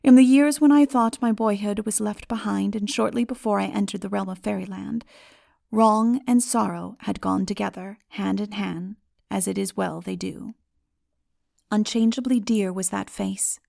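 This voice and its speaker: A woman reading a literary story as a dramatic audiobook narrator, solemn, measured and expressive. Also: mid-range voice, gravelly, no echo, clean studio sound.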